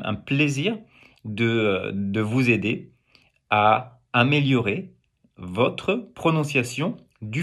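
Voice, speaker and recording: Man from France, pronunciation teacher, unhurried delivery, mid-pitched voice, explanatory with many pauses. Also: a bit bright. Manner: unhurried, explanatory, frequent hesitations; speaks to viewers with polite plural address. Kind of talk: video lesson to camera.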